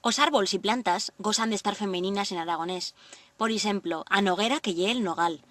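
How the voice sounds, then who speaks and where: A woman presenting a language lesson, reading example words slowly and deliberately. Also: medium pitch, fairly bright tone, dry recording, recorded from a distance. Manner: clear, deliberate word-by-word reading. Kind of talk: scripted lesson narration.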